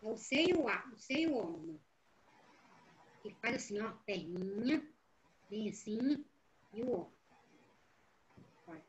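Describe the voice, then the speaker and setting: Woman, parent coaching a child, slightly high voice, dull lo-fi audio. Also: sing-song, unhurried, long pauses.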